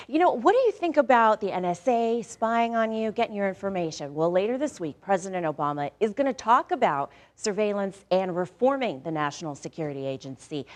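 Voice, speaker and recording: A woman with a slightly low-pitched voice anchors the morning news. She moves between reading stories and playful asides, talking directly to the audience in a conversational way. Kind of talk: news reading with casual banter.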